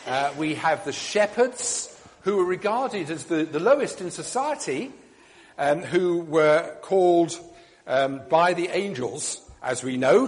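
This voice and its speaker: A man leading a church service, delivering a measured reflection and blessing with frequent ums, his voice carrying in a long churchlike reverb. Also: fairly high pitch.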